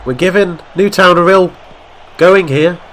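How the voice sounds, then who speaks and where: A man with a stuffy nose from a cold, calling football game highlights as play-by-play commentary and getting excited at near misses. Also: measured pace, noisy background. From Wales. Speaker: gaming YouTuber.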